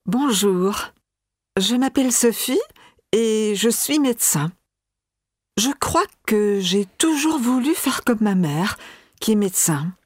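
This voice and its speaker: A woman voicing a young doctor in a calm, measured scripted monologue. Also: fairly high pitch, slightly rough, no room sound, clean studio sound, exaggerated voice. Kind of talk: scripted listening-exam monologue.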